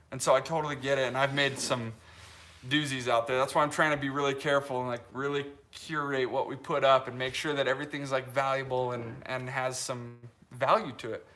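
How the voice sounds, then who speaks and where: A man's voice: medium pitch, fairly bright tone, a little hiss or hum. A man in his late twenties from Utah, hosting a casual live stream and chatting loosely through viewer comments, with lots of fillers and restarts. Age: 20s. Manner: rambling, with many restarts and fillers, laughs easily.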